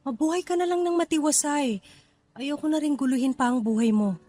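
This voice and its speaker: A woman's voice: high-pitched, fairly quick, dark tone, natural voice. Woman acting a guarded, hurt young hostess. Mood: regretful. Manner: pleading, emotional. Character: guarded, hurt young KTV hostess pushing away her suitor. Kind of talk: radio romance drama acting.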